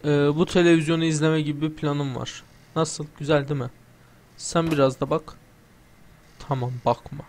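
Brief: young male gamer, rather high voice, jokey and foul-mouthed, faint noise behind. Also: level tone, normal speed, a little mellow. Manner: joking, swearing, talks to the game characters. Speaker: gamer playing through a video game. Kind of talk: casual let's-play commentary.

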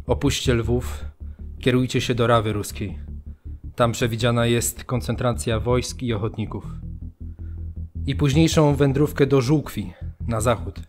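An actor playing a young Polish student who reflects on war and occupation with deliberate phrasing in a documentary radio drama. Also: male voice, mid-range voice, natural voice.

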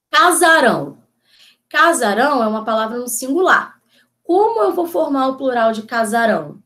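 A woman teacher giving a video lesson, explaining step by step in a slow, patient way and often checking that her students follow. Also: sits high.

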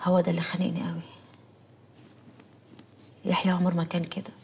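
Brief: fast-talking Egyptian worried young wife, emotional. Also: female voice, lowish voice, monotone, vocal fry, darkish tone, a little hiss or hum. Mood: pleading. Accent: Egyptian Arabic. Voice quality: pleading, emotional. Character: devoted anxious young wife. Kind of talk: TV drama acting.

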